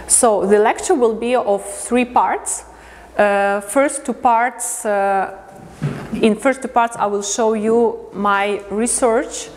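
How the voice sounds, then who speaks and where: A woman from Latvia gives a prepared lecture as an artist in English, halting as she looks for words. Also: on the high side, steady tone, a little mellow, a little hiss or hum. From Riga, Latvia. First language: not English. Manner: halting, pausing to find words. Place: indoor museum lecture space. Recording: long reverberant hall.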